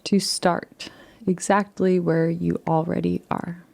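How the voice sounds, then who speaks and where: Gravelly, mellow-voiced woman guiding relaxation. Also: fairly low pitch, little pitch movement. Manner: soft, unhurried and soothing, with long pauses; gently invites rather than instructs. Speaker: meditation guide. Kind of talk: guided relaxation.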